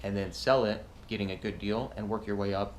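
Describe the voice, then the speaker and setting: A man chats to his viewers in a casual, slangy vlog style. His voice is on the low side, and there is faint background noise in the recording. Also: fairly even intonation, brisk. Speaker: motovlogger. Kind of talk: casual garage vlog update.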